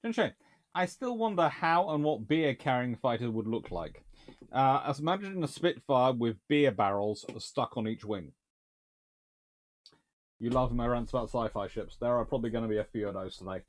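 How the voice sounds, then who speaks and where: Wry man, lively chatty delivery. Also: mid-range voice, normal speed. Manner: chatty, wry, with dry humour and frequent fillers. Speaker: naval historian answering viewer questions. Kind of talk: casual livestream Q&A. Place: small home study with bookshelves.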